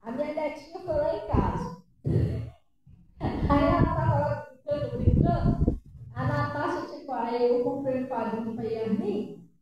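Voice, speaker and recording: A woman's voice: high voice, a little slow, warm tone, muffled recording. An older woman pastor giving a conversational sermon, often asking the congregation questions. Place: church hall. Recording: echoey hall, distant mic, noisy.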